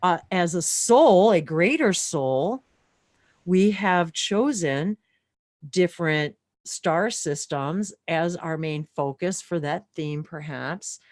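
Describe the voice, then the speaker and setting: Low-voiced woman musing in spiritual chat. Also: animated, slow pace, a little mellow, no echo, clean studio sound. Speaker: host. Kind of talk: casual spiritual chat on a live stream.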